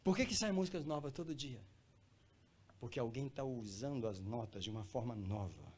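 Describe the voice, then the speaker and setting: A pastor preaching in church, swinging from quiet talk to loud, high cries and calling listeners brother. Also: male voice, moderate pace, husky. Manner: addresses listeners as brother, repeats phrases for emphasis. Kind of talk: sermon.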